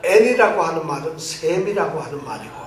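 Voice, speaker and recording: High-voiced pastor preaching in an echoey church. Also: male voice, a little fast. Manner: animated preaching, quizzes the congregation and repeats phrases. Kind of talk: sermon. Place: church sanctuary. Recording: echoey church hall from a distant mic.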